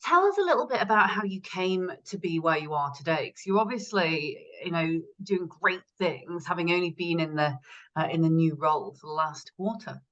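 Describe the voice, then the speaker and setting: A woman's voice: fairly low pitch, animated, moderate pace, a bit bright. A woman hosting a podcast in a casual, chatty way with a gushing, effusive manner. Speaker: podcast host. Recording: slightly dull, lo-fi audio.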